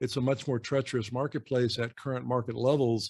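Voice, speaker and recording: A man with a plain, everyday voice speaks at a fairly quick pace and medium pitch. His intonation is fairly even, against a quiet background. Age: 60s. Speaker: wealth management firm founder. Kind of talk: podcast interview.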